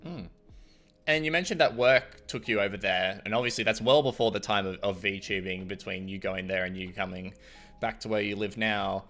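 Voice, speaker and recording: A man's voice: lowish voice, normal speed, a bit bright, faint music behind. A man hosting an interview show, reading a scripted intro and then asking loose, friendly questions. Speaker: show host.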